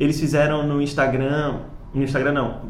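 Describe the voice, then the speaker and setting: A man talks with a fairly high pitch in a room with audible echo. Noticeable background noise is present. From Brazil, Maceió (Alagoas). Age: 20s. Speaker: podcast co-host, advertising professional. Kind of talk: casual chat.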